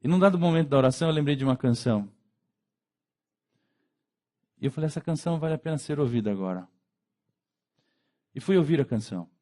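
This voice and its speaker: A man with a Brazilian Portuguese accent, a pastor preaching a conversational sermon in church, acting out quick dialogues as he goes. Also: fairly high pitch, expressive, darkish tone.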